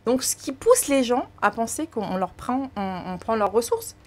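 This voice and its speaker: A woman's voice: a little high, big pitch swings, moderate pace, darkish tone. A woman in her thirties co-hosting a radio talk show, pressing the guest with questions at a studio mic. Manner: pushes the guest with questions, teasing. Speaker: radio co-host. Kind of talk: casual studio chat. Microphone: studio mic on boom, headphones.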